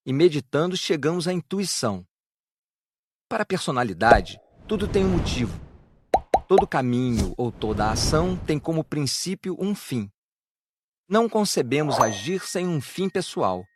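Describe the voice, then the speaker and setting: A man reading a reflective spiritual discourse in a measured, declamatory way. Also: mid-range voice, slight background noise. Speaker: audiobook reader of a spiritual lecture. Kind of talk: scripted narration, reflective religious discourse. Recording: music behind the voice. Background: music.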